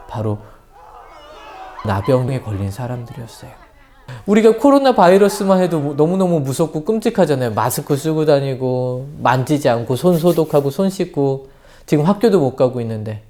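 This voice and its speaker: Animated high-voiced male children's pastor. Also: a little hiss or hum. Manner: animated storytelling, asks kids questions. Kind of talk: children's sermon. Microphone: lapel mic.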